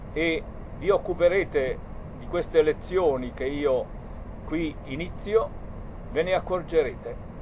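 A man at a very slow pace, with light background noise. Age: 70s. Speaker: philosopher of science. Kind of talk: lecture introduction to camera. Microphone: webcam.

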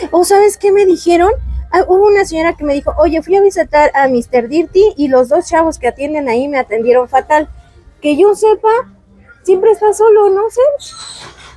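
An extremely high-pitched woman's voice with very wide pitch swings at a moderate pace, dry and close with no echo, over noticeable background noise. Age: 40s. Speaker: shopping vlogger. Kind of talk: casual vlog with vendor interview.

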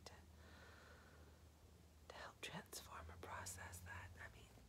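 A woman is whispering. She goes at a moderate pace. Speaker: vlogger. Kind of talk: casual vlog chat. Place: home room. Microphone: phone near.

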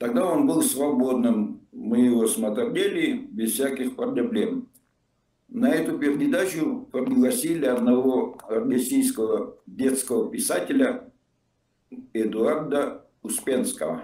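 Pitched high, a man speaks at a very slow pace with very wide pitch swings. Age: old. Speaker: Crimean Tatar interviewee. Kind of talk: casual chat.

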